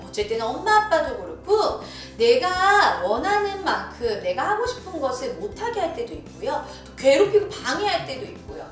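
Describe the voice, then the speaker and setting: A woman teacher with a high voice that leaps up and down as she talks to small children, acting out the voices she quotes. It sounds roomy and echoey, recorded from some distance, with soft music behind. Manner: animated, acts out quoted voices. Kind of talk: lesson video for young children. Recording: echoey room from far off with music.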